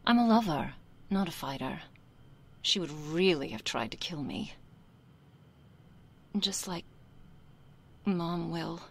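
Woman acting a husky, nervous young succubus, ASMR role-play. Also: fairly low pitch, lively intonation, slow pace, pauses often, full character voice. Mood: sheepish, affectionate. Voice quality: soft, husky, breathy. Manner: hesitant, flustered, succubus-like soft intimate delivery. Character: nervous young female succubus, reluctant, sheepish, affectionate daughter.

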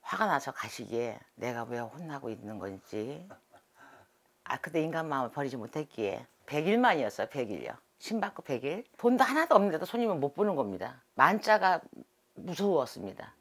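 A middle-aged woman with a husky, slightly low voice tells her stories with lively, swinging intonation. She is a shaman being interviewed, and her delivery is animated and dramatic. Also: fairly quick. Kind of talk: storytelling interview.

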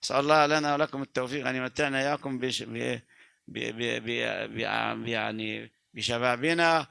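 Fast gravelly older man preaching. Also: medium pitch, bright, forceful tone, no room sound. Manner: fervent, many restarts and stammers. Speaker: Quran reciter and sheikh. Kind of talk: religious talk with recited verses.

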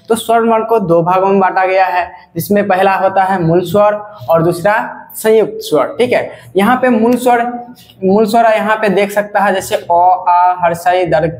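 A male teacher with a high-pitched voice leads a grammar lesson in class, drawing out sample sounds slowly. He says "ठीक है" over and over, and the recording is reverberant.

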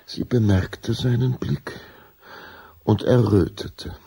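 A man narrating a children's vampire audio drama as a deliberate, suspenseful storyteller. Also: mid-range voice, gravelly, warm tone, husky, heavily acted.

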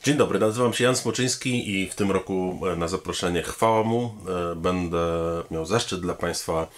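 A man, a pianist and composer, speaking formally and thoughtfully about his work and pausing often on hesitation sounds. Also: low-pitched. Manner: measured and thoughtful, with frequent hesitation fillers; formal, polite address to the audience. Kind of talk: promotional talking-head statement.

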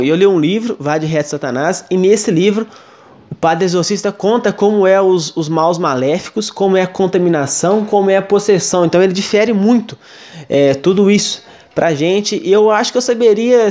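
A Brazilian Portuguese-speaking man giving an earnest, animated personal testimony as a Catholic storyteller. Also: high-pitched. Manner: earnest, animated, often adds "né".

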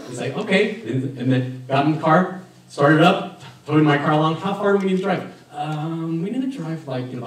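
A man in his thirties preaching a sermon in a church, talking in a lively, conversational way while gesturing at a lectern. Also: medium pitch. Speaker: pastor. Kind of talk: sermon with personal story. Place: church sanctuary with stained glass, indoors. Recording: very echoey room from far off.

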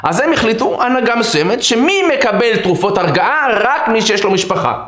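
A man's voice: extremely high pitch, very animated, a bit bright, roomy sound, pitched above the performer's own voice, heavily acted. A man doing a matter-of-fact male orderly. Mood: explaining. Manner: explaining plainly.

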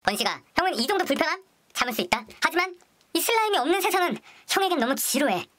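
Performer acting a bright-voiced, cheeky young camp recruit. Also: very high-pitched, very animated, fast talker, exaggerated voice. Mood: cocky. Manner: stammering politeness to superiors, boastful with friend. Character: cocky, scheming young camp recruit, nervously deferential. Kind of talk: comedic skit role-play.

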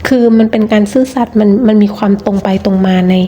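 A woman giving a casual tarot reading, talking in a gentle, chatty way with frequent restarts. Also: mid-range voice, fairly even intonation, quick pace. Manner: chatty, repeats words and restarts often. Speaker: tarot reader.

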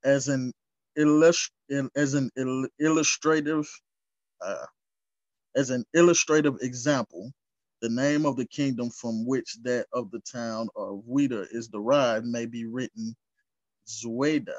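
Man, history explainer, slow deliberate reading, stumbles on long words, dry close sound, lo-fi. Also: medium pitch, steady tone, darkish tone, no echo. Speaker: history channel host. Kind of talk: reading and explaining source texts. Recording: dull lo-fi recording.

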